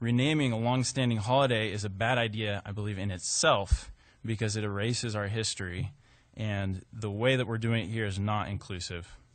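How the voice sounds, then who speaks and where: A man at a fairly quick pace, fairly low in pitch, his intonation fairly even, the sound dry with no echo. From Moscow, Idaho, US; Idaho. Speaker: resident giving public comment. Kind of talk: public comment at city council meeting. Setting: city council meeting. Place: hall. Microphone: podium.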